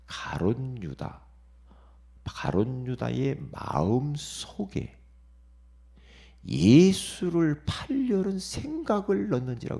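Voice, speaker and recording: A middle-aged male pastor preaching a dawn sermon, shifting sharply between hushed whispers and loud outbursts and often calling "예?" to the congregation. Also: mid-range voice, vocal fry, breathy edge. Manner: dramatic swings from whispers to shouts; asks the congregation "예?" for response.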